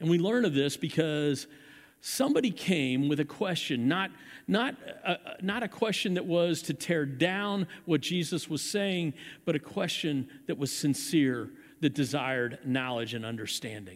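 A man with a plain, everyday voice speaks at a fairly high pitch and a fairly slow pace with lively intonation, on a very clean recording with a silent background. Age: 60s. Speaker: pastor. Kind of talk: sermon.

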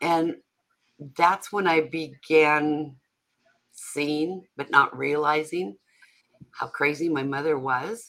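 A woman's very deep, low voice in an American accent, at a very slow pace with long, frequent pauses and ordinary pitch variation. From Montana, US. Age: 70s. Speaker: hypnotherapist and hairstylist. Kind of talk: interview.

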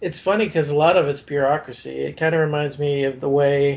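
Somewhat breathy, this man speaks with fairly even intonation. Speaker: podcast co-host. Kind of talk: casual chat.

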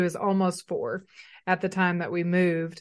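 Against a quiet background, the speaker talks with an Arkansas accent. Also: woman. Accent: Southern US (Arkansas). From South Arkansas, US South. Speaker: licensed counselor. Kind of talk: interview, personal testimony.

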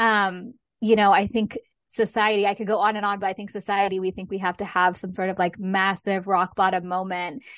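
With a Californian accent, a woman talks at a fairly quick pace in a monotone, flat way. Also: medium pitch for a woman. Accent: Californian American. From Los Angeles, US West Coast. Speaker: sobriety coach. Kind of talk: casual chat.

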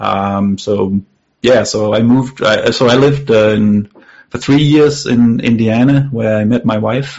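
With a Danish accent, a man talks at a fairly slow pace in a medium pitch and fairly even intonation. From Denmark. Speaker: author and early retirement blogger. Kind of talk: interview. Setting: remote call. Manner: repeats words, halting.

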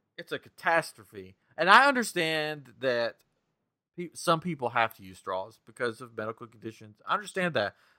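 A man speaks at a moderate pace in a fairly high, bright and sharp voice, his pitch swinging very widely and his loudness rising and falling sharply, recorded dry and close with no echo. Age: 40s. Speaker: podcast host. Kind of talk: casual chat.

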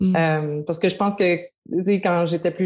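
A woman's unremarkable speaking voice, fairly low-pitched and at a moderate pace, on a very clean recording with a silent background. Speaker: filmmaker. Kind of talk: interview.

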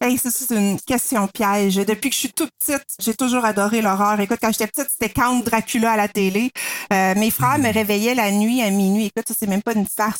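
In an ordinary speaking voice, a woman talks at a fairly quick pace with fairly high pitch and fairly even intonation, her loudness very even. The recording is very clean, with a silent background and a dry, close sound with no echo. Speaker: novelist. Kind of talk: casual chat.

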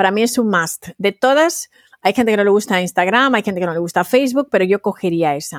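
A woman talks at medium pitch with an unremarkable speaking voice and a fairly quick pace. The sound is dry and close with no echo. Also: lively intonation. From Valencia, Spain. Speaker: entrepreneur. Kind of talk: interview conversation.

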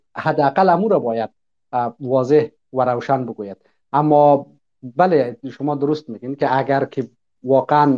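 The man's pitch is fairly high and his tone dark and mellow, with ordinary pitch variation. He speaks at a moderate pace with long, frequent pauses, and the sound is dry and close with no echo. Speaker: political analyst. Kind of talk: panel discussion.

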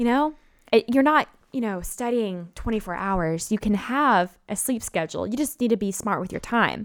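This woman has an ordinary speaking voice with a fairly high pitch. She talks at a moderate pace. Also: lively intonation, very clean recording, silent background. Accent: American. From US South. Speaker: law student. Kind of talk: interview.

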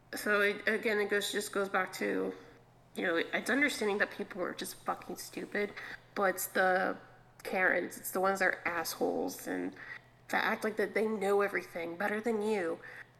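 A woman's medium-pitched, bright, sharp voice with vocal fry, fairly even intonation and a moderate pace. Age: 20s. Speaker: podcast host. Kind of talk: casual chat. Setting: online voice call.

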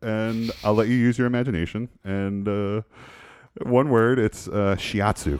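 At a fairly slow pace, a man with a plain, everyday voice speaks in a fairly low pitch with fairly even intonation. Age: 30s. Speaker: podcast host. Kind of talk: casual chat.

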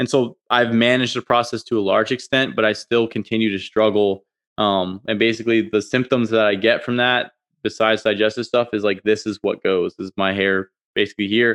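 A man speaks in a normal speaking voice at a medium pitch, fairly quickly and with fairly even intonation. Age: 20s. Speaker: health podcast co-host. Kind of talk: casual chat.

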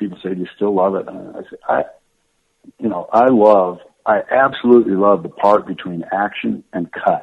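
Speaking at a fairly quick pace, a man with an ordinary speaking voice talks in a Canadian accent, fairly low in pitch with ordinary pitch variation. His loudness swings widely. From Canada, southern Ontario (London, Ontario). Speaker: voice actor and TV actor. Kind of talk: interview.

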